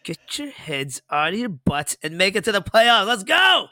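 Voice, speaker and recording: Lively, bright-voiced man, dry close sound. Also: high-pitched, moderate pace, no room sound. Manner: animated storyteller, acts out quoted dialogue. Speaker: podcast co-host. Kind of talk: casual podcast chat.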